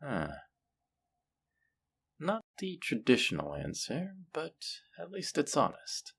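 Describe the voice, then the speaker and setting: A man's voice: low-pitched, exaggerated voice. A man playing a feared supervillain in an audio roleplay, theatrical and businesslike, with a dry, politely condescending manner. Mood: probing, dry. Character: feared male supervillain, theatrical yet businesslike and dryly amused. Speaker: supervillain interviewing a job applicant. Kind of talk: audio roleplay acting, addressing the listener.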